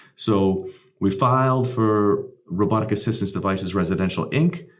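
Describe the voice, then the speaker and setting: This man's voice sits fairly low in pitch. Echo from the room can be heard. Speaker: company CEO giving investor update. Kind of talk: weekly business update video. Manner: fast.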